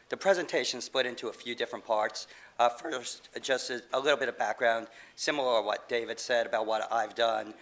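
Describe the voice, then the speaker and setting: A man's voice: mid-range voice, fairly even intonation, fairly quick, a bit bright, poor audio. A middle-aged man getting over a cold, giving a conference presentation with many fillers and restarts. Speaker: conference speaker, game company CEO.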